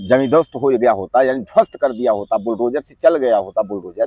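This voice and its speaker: A man giving direct-to-viewer news commentary, talking to the audience as friends, repeating his points insistently and often filling pauses with a habitual filler phrase. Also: mid-range voice, a little mellow, dry recording. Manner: keeps inserting the filler "jo hai".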